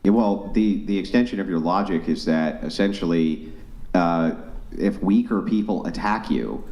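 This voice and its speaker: Man, 40s, panel guest, argumentative and persistent, lowish voice, echoey room. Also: normal speed, a little mellow. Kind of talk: heated debate.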